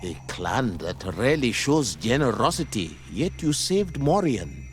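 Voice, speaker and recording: Slow, solemn tribal elder-leader. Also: male voice, medium pitch, sing-song, slight background noise. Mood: gracious, measured. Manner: solemn, measured, formal. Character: calm, wise male tribal spiritual leader, dignified. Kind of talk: scripted video game acting.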